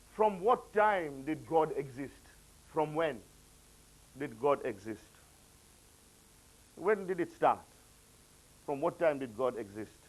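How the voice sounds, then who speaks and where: High-voiced man preaching with rising emphasis. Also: rough recording. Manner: rises in pitch and volume when quoting, drops low for asides. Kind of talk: religious lecture.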